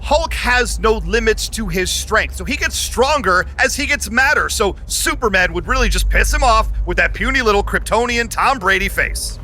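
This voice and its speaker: High, sharp-voiced cocky geek. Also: male voice, expressive, moderate pace, few pauses, soft background music. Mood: cocky, argumentative. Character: cocky argumentative superhero geek riding in a car. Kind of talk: audio drama dialogue. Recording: car interior noise.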